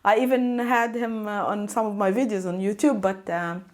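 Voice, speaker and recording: A woman in her thirties talks as a guest in a relaxed interview, her voice sitting at an ordinary middle pitch. She laughs often and slips Arabic words in among her English. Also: moderate pace. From Arab world. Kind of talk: casual interview chat.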